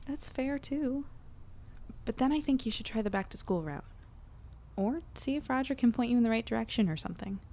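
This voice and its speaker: A woman playing a guilt-ridden but supportive and determined young hero in audio drama dialogue, speaking softly and earnestly. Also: fairly high pitch, expressive, a little fast. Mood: gentle, encouraging.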